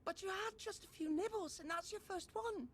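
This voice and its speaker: A woman in an anime dub voicing an excitable character. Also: very high-pitched, a little fast, a little hiss or hum. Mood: coaxing.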